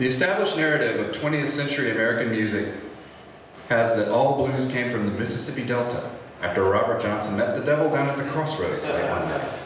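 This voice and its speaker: Speaking at a very fast pace, a man with a medium pitch and ordinary pitch variation is heard with strong room echo and light background noise. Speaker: music writer and panel moderator. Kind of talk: panel discussion. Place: meeting room.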